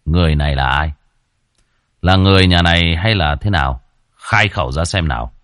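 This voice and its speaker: A man voicing a stern young exorcist who questions spirits in a low, measured voice. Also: a bit bright, no room sound, clean studio sound.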